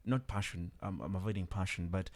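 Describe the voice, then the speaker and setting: A man's voice: deep voice, brisk, a little mellow. A man hosting a conversational radio interview, thoughtful and a little hesitant as he builds his questions, often giving short affirmations. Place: radio studio.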